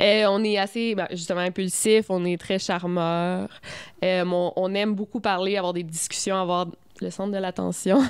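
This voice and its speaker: Speaking fairly slowly in a Quebec accent, a woman keeps a medium pitch and a monotone, flat intonation. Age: 20s. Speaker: true crime YouTuber and author. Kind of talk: interview. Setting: hotel room.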